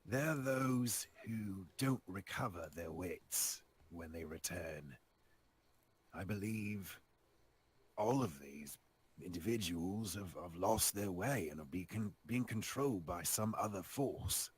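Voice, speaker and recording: A man voicing a classy, cautious, melancholy undead adventurer in a tabletop game, speaking formally and with measured politeness. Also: deep voice, expressive, slight background noise. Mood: grave, pensive.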